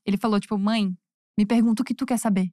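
Brief: female interview host, warm and reactive, close dry mic. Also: mid-range voice, fairly even intonation, quick pace, dry recording. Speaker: podcast host. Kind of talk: casual interview chat.

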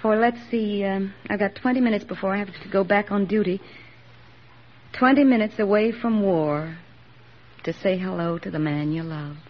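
A woman's voice: medium pitch, normal speed, slight background noise, close to an everyday voice. Woman doing a young army nurse, heartfelt, middle voice, old muffled radio recording. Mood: tender. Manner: earnest, heartfelt and reflective. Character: young woman army nurse on a wartime beachhead, earnest and tender. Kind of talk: 1940s radio acting.

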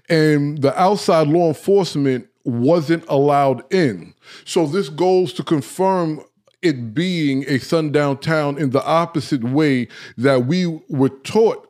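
A man hosting a casual talk show, speaking straight to his audience, often checking in with "right?" and "okay?" and stumbling over his words when he gets excited. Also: on the high side. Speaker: host. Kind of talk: casual talk, live-stream lecture.

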